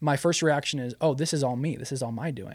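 An ordinary speaking voice, a man's fairly high one, moves at a fairly quick pace with ordinary pitch variation. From New York State, partly raised in Papua New Guinea. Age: 20s. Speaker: missionary and video creator. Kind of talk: casual interview.

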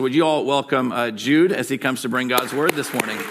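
Noticeable background noise sits behind this recording. A man with an American accent speaks at a fairly high pitch. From US Midwest. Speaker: pastor. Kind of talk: introduction and prayer. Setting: church.

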